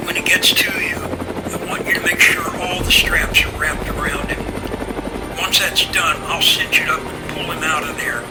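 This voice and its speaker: Over a heavy roar of rotors and engine, an actor plays a male rescue pilot in an audio drama. His high-set voice is steady and reassuring, giving clear, task-focused instructions. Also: normal speed, lightly acted. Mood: sober, steadying. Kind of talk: amateur audio drama acting. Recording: loud helicopter and engine noise.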